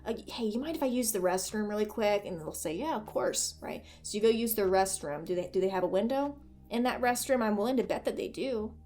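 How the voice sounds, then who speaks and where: A woman's voice: medium pitch, expressive, a little fast, dark tone. A woman hosting a horror commentary video in a casual, profane, joking and conversational way.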